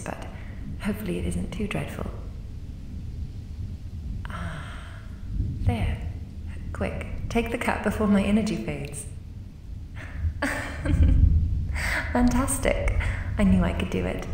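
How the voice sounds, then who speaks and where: A woman voicing a lovesick female ghost in an audio roleplay, whispering softly and intimately as she turns quietly sinister. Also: lowish voice, noisy background. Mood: teasing. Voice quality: soft breathy whisper. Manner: intimate, doting, calmly sinister. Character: lovesick female ghost, tender yet deadly. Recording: roomy, distant mic.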